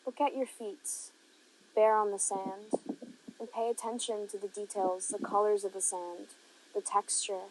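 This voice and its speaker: A woman narrating a guided meditation, giving gentle, unhurried instructions with long pauses between phrases. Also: mid-range voice, fairly even intonation, slight background noise, rough recording.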